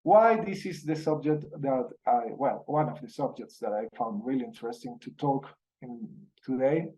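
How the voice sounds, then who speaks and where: Colombian man lecturing haltingly. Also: medium pitch, dark tone, low-quality recording. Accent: Colombian Spanish. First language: Spanish. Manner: halting, many fillers and restarts. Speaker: university professor. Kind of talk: online masterclass lecture.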